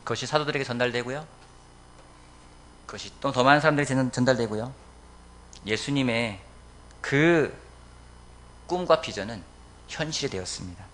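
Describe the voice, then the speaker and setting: Bright-voiced male pastor preaching. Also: moderate pace, pauses often. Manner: emphatic, rising to loud exhortations then dropping low. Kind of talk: sermon. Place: church sanctuary.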